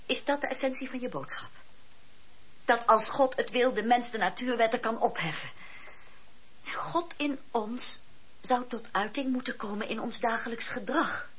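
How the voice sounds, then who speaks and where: A woman playing an earnest, compassionate and questioning devout lady in a Dutch radio play, with deliberate, emphatic phrasing. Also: fairly high pitch, husky. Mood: earnest, challenging. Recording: dull old radio recording with hiss.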